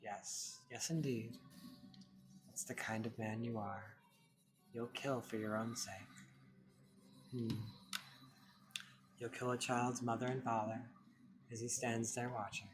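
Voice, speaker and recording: A man voicing a sly male tempter who taunts a killer in a quiet, low, mocking tone. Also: fairly even intonation, slow, long pauses, music in the background, close to an everyday voice. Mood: taunting.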